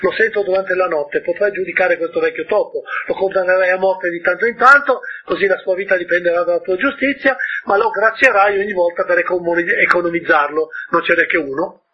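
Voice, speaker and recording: A man voicing a pompous old king while reading aloud, with a very husky voice. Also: sits high, a little fast, hardly any pauses, dull audio. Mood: commanding. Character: pompous old male monarch.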